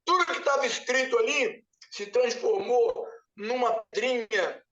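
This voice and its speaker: High-voiced man giving a tearful church testimony. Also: a little slow, fairly bright tone. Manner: weeping, pleading as he retells a vision. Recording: echoey room picked up from a distance, muffled.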